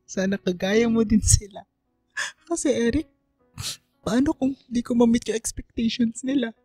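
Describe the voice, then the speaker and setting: Woman playing a soft-toned, insecure young gay student. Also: a little high, normal speed, slightly rough, dry recording, faint music behind. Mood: anguished, self-pitying. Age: young adult. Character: tipsy, insecure young gay student, self-doubting and giggly. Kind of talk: radio drama dialogue.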